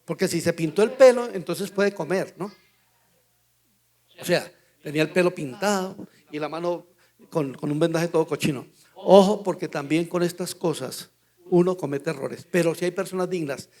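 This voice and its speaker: An older man with a Colombian Spanish accent, a pastor teaching a Bible study through lively anecdotes with acted-out dialogue. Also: on the high side, normal speed. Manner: storytelling, acts out dialogue in quotes.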